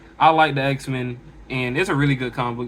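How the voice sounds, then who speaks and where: Here a man talks at a medium pitch. His pitch variation is ordinary. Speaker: book reviewer youtuber. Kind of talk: casual review monologue. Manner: fast.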